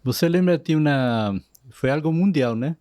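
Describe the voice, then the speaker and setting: Argentine man, mellow voice, Spanish slips in. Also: on the high side, no echo. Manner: slow, animated retelling with Spanish words slipping in. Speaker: missionary guest. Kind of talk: storytelling in a podcast interview.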